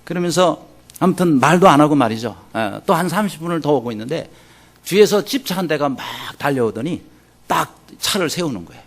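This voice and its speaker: A man preaching a sermon, telling a story with lively acted-out dialogue. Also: a little high, a little fast. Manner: animated storyteller acting out quoted dialogue. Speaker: pastor.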